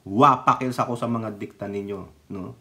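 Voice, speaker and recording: A man's voice: lowish voice, fairly even intonation, normal speed, pushed and bright. A man from the Philippines ranting in casual political commentary, sarcastic and mocking, often laughing and mixing in English phrases. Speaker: political vlogger.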